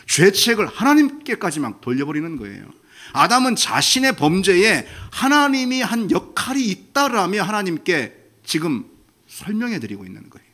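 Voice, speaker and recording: Animated Korean pastor preaching, lively pitch. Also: male voice. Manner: animated, acts out God's anguished questions in a raised voice; conversational, asks the congregation questions. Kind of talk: sermon.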